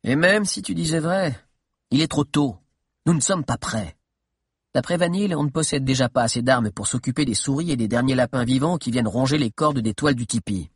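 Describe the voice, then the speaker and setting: A man with a husky voice voicing a calm, cautious young tribal chief who speaks in a measured, reasoning way. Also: no echo, clean studio sound, close to an everyday voice. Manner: measured, reasoning, low and quiet.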